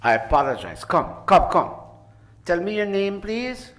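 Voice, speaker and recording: A man's voice: high voice, sing-song, measured pace, a bit bright. A man leading a temple ceremony, giving the congregation live directions with joking, apologetic asides.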